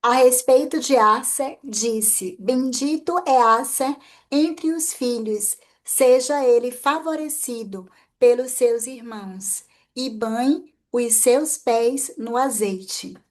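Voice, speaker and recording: A woman reading a Bible passage aloud in church, slowly and deliberately. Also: fairly high pitch. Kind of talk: scripture reading.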